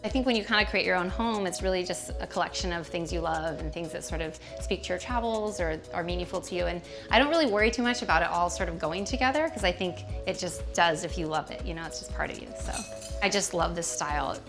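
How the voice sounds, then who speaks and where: A woman from Hawaii gives a casual tour of her home, chatting warmly and laughing often as she wanders between thoughts. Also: on the low side, quick pace. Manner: chatty and warm, laughs often, drifting tangents. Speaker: homeowner giving a house tour. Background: music.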